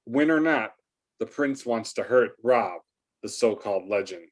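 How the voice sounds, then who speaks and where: A man's voice: lowish voice, lively intonation, measured pace. A man narrating stage directions from a script in an amateur staged reading.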